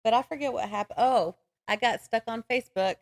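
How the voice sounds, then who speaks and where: A woman's voice: on the high side, a little fast. A woman co-hosting a podcast, chatting casually about books in an informal, slangy way. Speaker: podcast co-host. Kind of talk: casual book chat.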